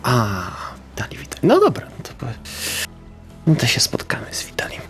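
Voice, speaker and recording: A man's voice: medium pitch, huge pitch swings, brisk, a bit bright, soft background music. A man speaking in character in a tabletop roleplaying game, hesitant and jumpy, slipping into whispers. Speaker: player.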